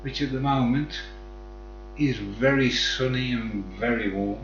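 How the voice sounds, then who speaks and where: A man's voice: mid-range voice, unhurried. A man from the West Midlands with a Black Country accent, chatting casually and matily to viewers on a live stream. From West Midlands, England. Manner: friendly, matey address to viewers. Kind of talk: casual chat. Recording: dull sound, echoey room, faint music.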